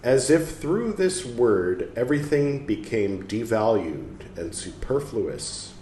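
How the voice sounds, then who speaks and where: A man hosting a show where he reads a book aloud, musing and pausing to talk back to the text in casual asides. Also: medium pitch, big pitch swings. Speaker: podcast host reading aloud. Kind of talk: slow reading with casual asides. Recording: roomy room with faint background music. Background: soft instrumental music.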